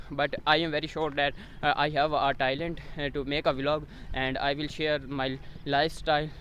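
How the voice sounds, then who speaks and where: A man whose first language is Urdu, vlogging outdoors in halting English full of hesitations. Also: medium pitch, fairly bright tone, slight background noise, low-quality recording. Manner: halting non-native English, frequent uh fillers. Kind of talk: casual outdoor vlog. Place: outdoors in a village near a road.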